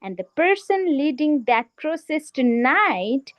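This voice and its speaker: High, lively woman speaking slowly. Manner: slow, deliberate delivery with rhetorical pauses; emphatic, in short list-like phrases. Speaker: meeting host. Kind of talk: formal speech opening a club meeting.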